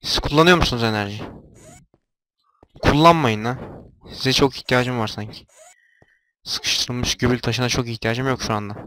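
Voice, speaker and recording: A man's voice: medium pitch, normal speed, long pauses, pushed and bright, no echo. A young man giving casual gameplay commentary, explaining machines and getting exasperated when they fail. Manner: exasperated, talks to game machines, frequent outbursts. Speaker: gameplay video host.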